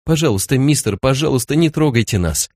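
A man's voice: medium pitch, lively intonation, a little fast, a little mellow, dry recording, pitched above the performer's own voice. Man raising his voice for a terrified young mother, tearful, pleading, dry audiobook sound.

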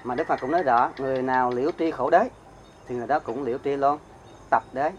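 Monk teaching, faint crickets behind. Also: male voice, medium pitch, fast, dull audio, a little hiss or hum. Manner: asks the audience questions and answers himself; explains terms step by step, recites verse. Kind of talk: dharma talk.

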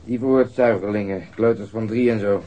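Actor playing gruff policeman, lowish pitch, mellow timbre, cynical, sardonic, terse, radio drama. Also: steady tone, fairly quick, highs cut off, natural voice. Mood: cynical, blunt. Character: gruff, cynical, dismissive male police detective.

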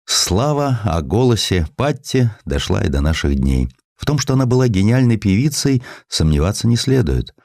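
A deep-voiced male audiobook narrator delivers a historical sketch in expressive, literary storytelling style. His pitch moves widely through each phrase, and the sound is close and dry. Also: moderate pace, few pauses, no echo.

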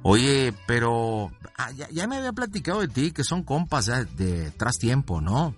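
A man's voice: medium pitch, big pitch swings, measured pace, soft background music. A man putting on a chummy car dealer. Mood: friendly prying. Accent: Mexican. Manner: chummy, slangy, pushy questioning. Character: smooth-talking male used-car dealer, adult. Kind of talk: prank phone call.

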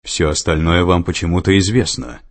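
A man's voice: deep voice, moderate pace, creaky. A man voicing a defiant older man under arrest, angry and stubborn in manner.

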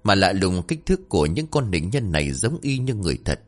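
A man narrating a horror story in a dramatic, expressive storytelling manner. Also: low voice, a little fast, soft background music.

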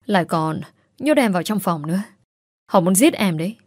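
A calculating young wife who coldly plots her next move, read by a woman. The voice sits fairly low, and the sound is dry and close. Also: expressive, normal speed, no echo. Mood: pleading. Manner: cold, calculating. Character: scheming young wife feigning madness.

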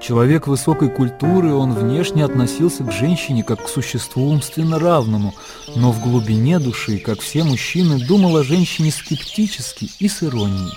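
Male narrator, steady mid voice, reading a radio play, music under it. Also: medium pitch. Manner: calm, measured storytelling.

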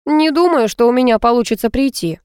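A woman's voice: on the high side, fairly quick, darkish tone, no echo, studio quality, pitched above the performer's own voice, natural voice. A woman voicing a smug teasing young guy. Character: mocking cocky young male student.

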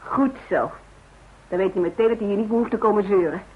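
An actress in a Dutch radio play playing a protective, sharp-tongued grown daughter, blunt and probing. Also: female voice, medium pitch, fairly quick, breathy edge, lightly acted. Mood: suspicious, probing. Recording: dull, lo-fi old radio recording.

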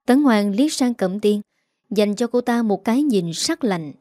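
A woman narrating a dramatic audio story in a steady storytelling manner. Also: mid-range voice, unhurried, no room sound, clean studio sound.

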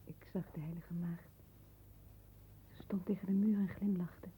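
A woman acting a devoted, dreamy young lover in a 1960s radio play, speaking in a hushed near-whisper. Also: on the low side, level tone, unhurried, lightly acted. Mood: rapt, tender. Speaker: actress in a radio drama. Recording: noisy old radio recording.

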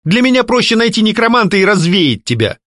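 A proud young mistress of a haunted house, played by a man reading aloud. She mocks and scolds with a sharp, lilting voice that climbs high. The sound is dry and close to the mic. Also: big pitch swings, a little fast, no echo. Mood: stern. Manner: mocking, scolding, ironic. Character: sharp-tongued young woman, lady of the house. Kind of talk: audiobook character voicing.

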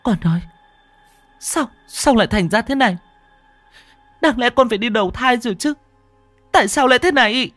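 Grief-stricken mother voiced by a man, strained outcries, pitched up. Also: animated, moderate pace, pauses often, no room sound, faint music behind. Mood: anguished. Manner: crying out, strained and urgent. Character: grieving young mother, desperate and enraged. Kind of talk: horror storytelling.

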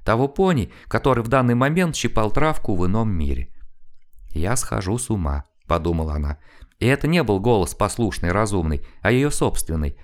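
Expressive male audiobook narrator. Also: fairly low pitch, fairly quick. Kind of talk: scripted literary narration.

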